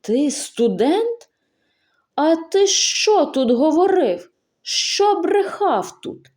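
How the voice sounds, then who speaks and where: A woman voicing a suspicious, angry old village man who shouts scornful accusations in an audiobook. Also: a little high, lively intonation, measured pace. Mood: accusing.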